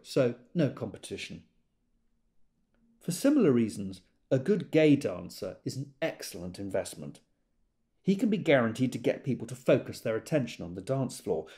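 A man's voice: mid-range voice, creaky, mellow. An actor playing a wry gay man who tells of a party in an observant, dramatised literary monologue. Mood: wry, bitter.

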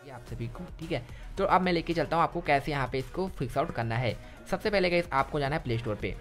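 A young man narrating a step-by-step phone tutorial, often addressing viewers informally and repeating himself. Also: on the high side. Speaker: tech tutorial YouTuber. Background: background music.

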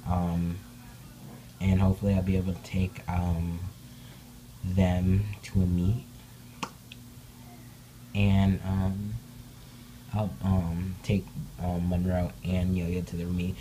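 Brief: woman vlogger, casual and rambling, lots of fillers, excitable, mellow dark tone, faint room hiss behind. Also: rumbling low, takes it slowly, long pauses, rough recording. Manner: rambling, with many filler words; bubbly, excitable. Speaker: doll hobby vlogger. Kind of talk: casual update vlog. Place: indoor room, speaking off camera behind dolls.

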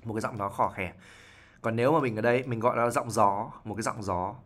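This IELTS teacher's voice is fairly low-pitched yet a bit bright, and he talks fast while unpacking English words from a novel. Frequent "right?" tags and repetitions mark his explanatory style.

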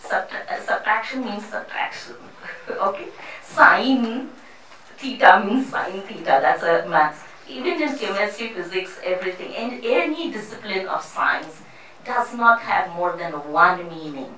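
Bright-voiced woman speaking in an echoey hall. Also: mid-range voice, lively intonation, a little hiss or hum. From India. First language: not Hindi; English not first language. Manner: halting, many restarts and fillers, earnest. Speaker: panel speaker. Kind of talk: public talk at a panel. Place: seminar room with a panel seated before a screen. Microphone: handheld mic. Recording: echoey room picked up from a distance.

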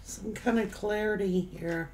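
A middle-aged woman giving an unscripted tarot reading in halting, broken phrases that she often repeats. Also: medium pitch, a little mellow, a little hiss or hum. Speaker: tarot reader. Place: indoor room, seated at a table.

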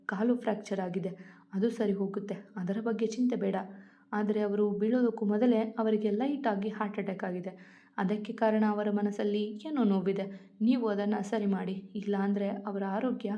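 A woman's voice: mid-range voice, fairly even intonation, moderate pace, mellow, lightly acted. A woman reading as a stern male doctor. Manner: firm, scolding. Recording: dull lo-fi recording.

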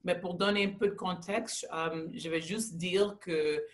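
A middle-aged English-speaking woman, a leadership candidate, speaking haltingly in a second language on a video call, with many fillers and restarts. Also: lowish voice, steady tone.

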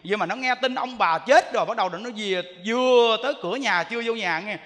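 A man, a Buddhist monk giving an animated sermon, repeating himself and speaking straight to his listeners. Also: high-pitched, fast talker. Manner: animated, repetitive, addresses listeners directly. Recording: long reverb of a hall.

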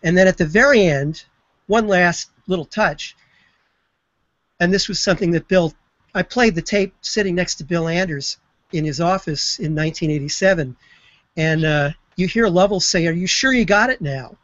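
A man who studies spaceflight history retells an event with lively enthusiasm in an online video chat. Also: high-pitched, normal speed, no room sound. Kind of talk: storytelling explanation. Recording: slightly muffled web broadcast.

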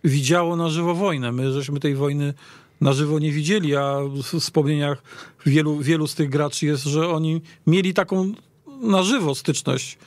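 A man's voice: fairly high pitch, steady tone, moderate pace, no room sound. A man as a panel guest in a casual sports discussion, hesitant and repeating words as he goes. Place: radio studio.

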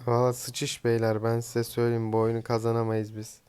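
A man's voice: mid-range voice, monotone, a little fast, a little mellow, clear, resonant tone. A young man giving casual commentary while he plays a mobile game, chatty and teasing, swearing lightly at teammates. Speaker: gaming streamer. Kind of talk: casual live gameplay commentary.

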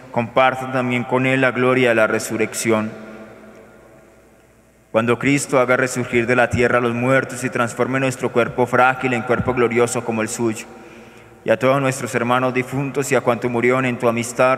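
Give me a priest, speaking in a monotone as he prays through the Mass in a reverberant church. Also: medium pitch. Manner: measured, solemn liturgical recitation. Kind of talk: celebrating Mass, praying aloud. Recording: echoey church with long reverb.

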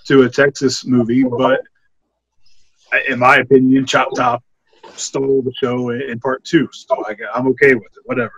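A man's voice: mid-range voice, slightly rough, no room sound, poor audio. A man in his thirties co-hosting a horror podcast, reviewing a film in a loose, rambling way and laughing often, over a desk mic on a video call from home. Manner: rambling, laughing, animated when amused. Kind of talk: casual film review chat. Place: home room.

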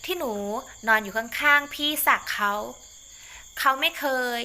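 A woman's voice: sits high, expressive, unhurried, pushed and bright, pitched above the performer's own voice, heavily acted. A woman voicing a sulky, self-willed young wife who whines and pleads with her mother. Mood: tearful pleading. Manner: whiny, pleading, ends lines with sweet particles.

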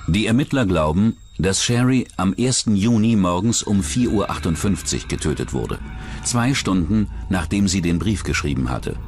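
A man's voice: sits low, lively intonation, normal speed, darkish tone, faint music behind. A man narrating a true-crime documentary from a script.

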